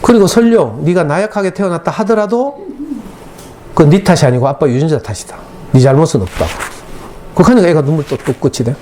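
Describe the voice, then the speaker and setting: A man's voice: fairly high pitch, lively intonation, a little fast, mellow, slight background noise. A middle-aged man with a Gyeongsang Korean accent, a parenting lecturer telling an emotional story to parents at a school talk. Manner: emotional storytelling, dialect speech.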